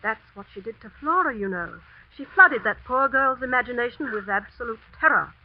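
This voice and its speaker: A woman's voice: on the high side, lively intonation, fairly quick. An actress playing a cool, cunning woman who hides a poisoning by accusing others, in a muffled 1940s radio broadcast. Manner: icy, accusing.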